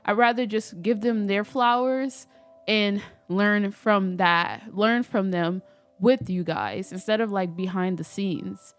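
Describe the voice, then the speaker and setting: A woman's voice: medium pitch, takes it slowly, smooth, soft background music. A woman vlogging casually while doing her hair, a little stuffy and nasal from a cold, rambling with lots of fillers and restarts. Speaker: spiritual vlogger. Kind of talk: casual chat to camera.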